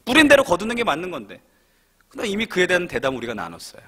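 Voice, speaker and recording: A man's voice: high voice, wildly swooping pitch, rapid-fire, a bit bright, slightly rough. A young man preaching a sermon in a church, speaking to the congregation with many rhetorical questions. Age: young adult. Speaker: pastor. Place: church sanctuary.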